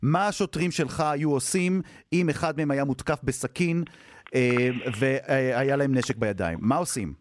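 A man's voice: medium pitch, lively intonation, dry recording. A man hosting a radio news program, asking probing questions and linking to reporters with frequent hesitations. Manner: probing, many hesitation fillers. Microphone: studio microphone.

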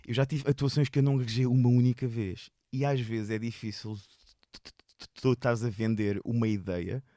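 Man, European Portuguese accent, stutters, animated storytelling, dry close sound. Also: mid-range voice, brisk, no echo. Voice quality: stutters, repeating and blocking on words. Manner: animated, laughs while telling stories. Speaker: stand-up comedian guest. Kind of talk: casual storytelling in an interview.

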